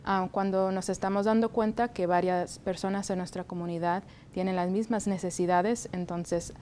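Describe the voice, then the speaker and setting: A young woman from the United States, a health department guest in a studio interview, speaking in a measured way with many hesitation fillers, on a lapel mic. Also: lowish voice, fairly even intonation, mellow, a little hiss or hum. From United States (Texas, raised in Florida). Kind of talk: interview answers. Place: TV studio set.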